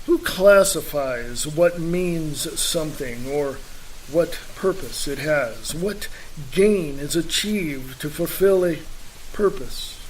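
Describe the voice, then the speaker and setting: A man giving scripted radio narration and promo reads as an announcer, in a deliberate, measured manner. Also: on the high side, a little hiss or hum, rough recording.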